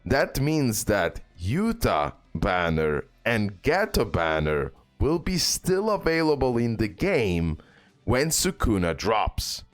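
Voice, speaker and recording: Low-voiced man giving gaming advice. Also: sing-song, slow pace. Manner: emphatic, repetitive, ends points with "okay?". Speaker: game video creator. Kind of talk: casual gaming advice commentary. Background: music.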